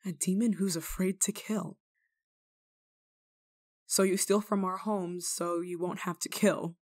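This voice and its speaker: A woman playing a kindly, rule-breaking nun in an ASMR roleplay, speaking to the listener in a gently teasing, caring manner. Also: lowish voice, steady tone, unhurried. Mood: amused teasing. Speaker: roleplay voice actor.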